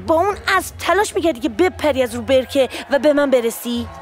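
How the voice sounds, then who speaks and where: A woman's voice: high voice, expressive, faint music behind. A girlish, dreamy hall worker. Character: dreamy, childlike young woman hall worker. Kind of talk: comic sketch acting.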